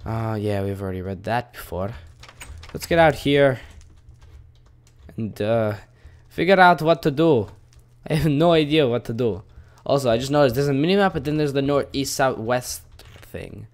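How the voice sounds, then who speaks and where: A man's voice: mid-range voice, moderate pace, long pauses. Rambling man narrating his gameplay. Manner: rambling, self-mocking, casual. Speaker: gaming video host. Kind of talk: let's-play commentary.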